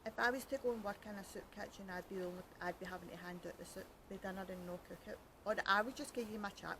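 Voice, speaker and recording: A Glaswegian woman from Scotland hosts a podcast outdoors by a canal at night, chatting in a rambling, joking, self-mocking way while she's cold and her fingers are freezing. Her voice is medium-pitched, with background noise around her.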